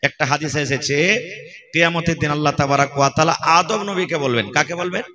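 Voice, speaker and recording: A man preaches in regional Bengali from Purnia, Bihar. His voice is bright and forceful, set a little high. He keeps throwing questions out to the crowd as he goes. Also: fairly quick. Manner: fires rhetorical questions at the crowd. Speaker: Islamic preacher. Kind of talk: sermon at a religious gathering.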